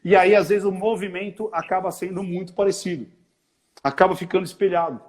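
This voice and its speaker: A man's voice: high voice, steady tone, brisk. A man with a Brazilian accent, a body-language expert explaining things in a conversational interview and acting out little quoted dialogues.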